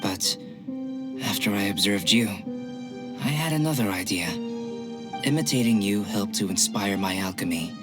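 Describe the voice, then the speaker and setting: A man voicing a calm young male alchemist, curious and scholarly, who speaks in a measured, soft, philosophical way in game voice acting. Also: lowish voice, close to an everyday voice. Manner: measured, softly spoken, philosophical. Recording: game audio with clear music behind.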